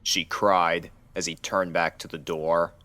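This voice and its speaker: A man's voice: low voice, little pitch movement, takes it slowly, bright, forceful tone, no room sound. A man reading scripted fan fiction as the narrator of a dramatic story.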